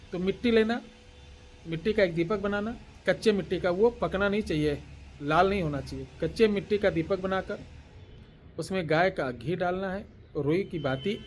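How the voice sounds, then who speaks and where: Devotional teacher, male, slightly high voice, deliberate repetitive dictation, faint noise behind. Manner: slow deliberate dictation, chanting words one by one; repeats phrases, throat-clearing pauses. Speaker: tantric spiritual teacher. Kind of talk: devotional instruction with mantra dictation.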